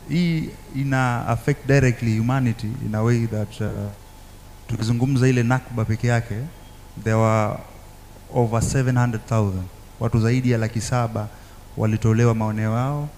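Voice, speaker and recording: As a panel guest on a talk show, a man with an East African accent, a native Swahili speaker, talks earnestly while mixing two languages. His mid-range voice is a little mellow, and a slight hiss or hum runs underneath.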